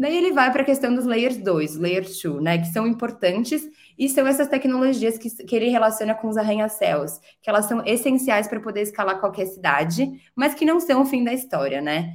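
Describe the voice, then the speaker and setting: A woman talks at a very fast pace with a fairly high pitch. Her pitch swings very wide. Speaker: podcast host. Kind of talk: podcast discussion.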